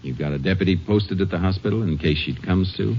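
An actor playing a calm, seasoned Texas Ranger investigator, terse and matter-of-fact, in 1950s western radio drama style. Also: male voice, low voice, fast talker, noisy background. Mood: calm, businesslike. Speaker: lead investigator and first-person narrator. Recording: muffled old radio recording with music.

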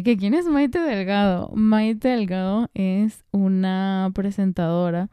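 A young woman hosts her podcast in a loose, rambling way. Her voice is very dark and mellow, smooth and resonant. The sound is dry and close. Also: fairly low pitch, no echo. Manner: chatty, digressive, laughs often. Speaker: podcast host. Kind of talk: casual chat.

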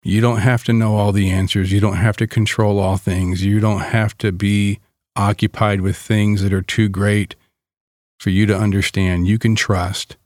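A man leading a guided Christian meditation in a calm, soothing, gentle way with long pauses. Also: fairly low pitch, no echo, studio quality.

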